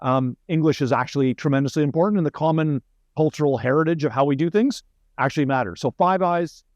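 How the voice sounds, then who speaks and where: A man's voice: a little high, fast talker, darkish tone, no room sound, highs cut off. A middle-aged man with a Canadian accent talks informally as an interview guest, explaining through anecdotes and wry asides. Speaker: senior military officer, interview guest.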